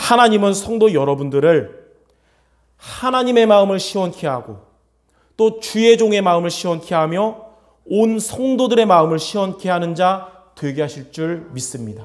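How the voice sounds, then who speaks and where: Audible room echo carries a man's high-pitched voice. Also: lively intonation, moderate pace. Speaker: pastor. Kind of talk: sermon.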